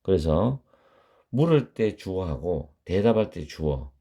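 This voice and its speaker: Low gravelly guy, teacher going over grammar, slow, mellow dark tone, lots of up and down. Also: very animated. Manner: patient, repeats example sentences slowly, corrects his own typos aloud. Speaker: English teacher. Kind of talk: grammar lesson explanation.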